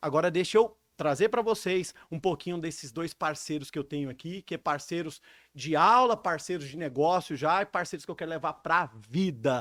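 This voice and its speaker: A man's fairly high voice with a Goiás accent, in a very clean recording with a silent background. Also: ordinary pitch variation, moderate pace, big swings in loudness. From Goiânia, Goiás, central Brazil. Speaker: podcast host, professor. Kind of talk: casual podcast chat.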